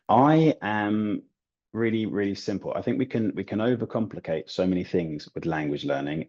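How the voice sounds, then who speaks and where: A man with a very deep, husky voice chats easily as an interview guest, often pausing on "um" and restarting his sentences. His audio sounds dull and lo-fi, like a remote call. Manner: relaxed, laughing, many restarts and ums. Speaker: guest, language learning YouTuber. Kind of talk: casual interview chat.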